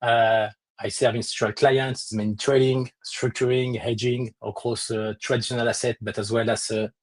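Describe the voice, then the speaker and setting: A man's voice: mid-range voice, level tone, moderate pace, a little hiss or hum. A man from France with a strong French accent, speaking as a guest in a casual online audio chat and filling his talk with many hesitant "uh"s. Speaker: crypto project lead and guest.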